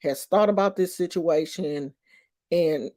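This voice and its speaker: Woman, 50s, slow unhurried delivery, emphatic, streetwise, casual vlog commentary. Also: fairly low pitch, dark tone. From Oakland, California. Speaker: vlogger.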